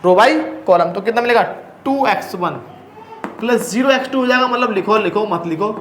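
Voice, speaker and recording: A high-pitched man lectures through a math problem, checking in with the class through constant rhetorical questions. His tone stays casual and friendly. The echoey room adds a faint hum of ambience behind him. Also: moderate pace, fairly bright tone. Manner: explains step by step, asking the class rhetorical questions; casual and chatty, calls students brother. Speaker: math teacher. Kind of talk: blackboard lecture.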